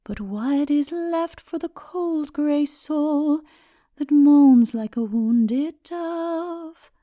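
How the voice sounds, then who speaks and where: A mysterious ancient woman, sung by a female narrator in a storybook fantasy. Her high voice draws out each melodic phrase very slowly, solemn and tender. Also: dark tone, soft background music. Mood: mournful, singing. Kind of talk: slow sung verse in a fantasy audiobook.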